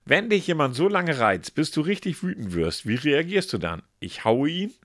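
A man's voice: a little high, big pitch swings, moderate pace, fairly bright tone, dry recording, studio quality. A man co-hosting a casual podcast, reading quiz questions and answer options aloud in a playful way. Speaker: podcast co-host.

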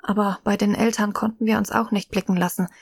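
A woman playing a medieval girl who recounts her ordeal in measured, earnest audio drama narration, her voice slightly husky. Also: mid-range voice, level tone, no echo. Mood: reflective, worried. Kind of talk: scripted first-person audio drama narration.

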